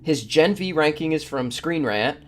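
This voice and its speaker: A man's voice: a little high, animated, normal speed, fairly bright tone. A man co-hosting a podcast, talking casually in a discussion. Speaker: podcast co-host.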